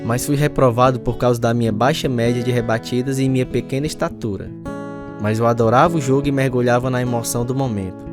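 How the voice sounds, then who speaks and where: Male radio-drama narrator actor, mid-pitched, recounting a mischievous schoolboy past over prominent music. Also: fairly even intonation, fast talker, natural voice. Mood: reflective. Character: man recalling his mischievous, sporty schoolboy youth.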